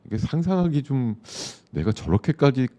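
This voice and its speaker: A man's voice: mid-range voice, big pitch swings, normal speed, dark tone, highs cut off. A man with a sore throat, a stock market commentator explaining trends in loose, conversational live-show chat with many fillers.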